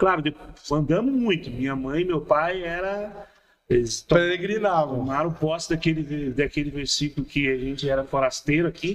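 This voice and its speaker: Using an ordinary speaking voice, a man talks at a moderate pace with a fairly high pitch and ordinary pitch variation. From Brazil, Almirante Tamandaré, Paraná (Curitiba area). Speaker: pastor, church founder. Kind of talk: casual interview chat.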